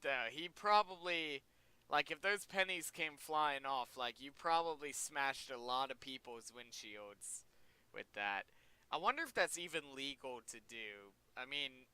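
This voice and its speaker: A man's voice: medium pitch, lively intonation, takes it slowly, sharp tone, clear, resonant tone, no echo, low-quality recording. A young man hosting a video, reacting to pictures in rambling, chatty casual commentary, often repeating himself. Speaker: video host.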